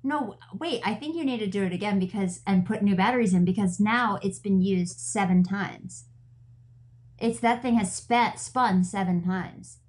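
A woman's voice: medium pitch, moderate pace, a little mellow. A woman in her thirties hosting a podcast, teasing her guests and laughing often in casual chat. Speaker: podcast host.

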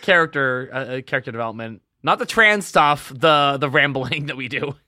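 A young adult man co-hosting a casual podcast, teasing and wry with deadpan jokes. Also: mid-range voice, moderate pace, no echo, clean studio sound. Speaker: podcast co-host. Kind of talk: casual chat.

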